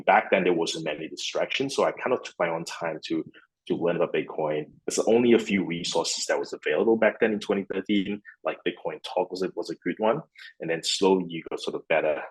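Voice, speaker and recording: A man's voice: sits low, breathy edge, rough recording. A man in his thirties from Malaysia, answering interview questions at length, with many restarts. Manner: rambling, with many restarts and fillers. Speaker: guest, fund CEO.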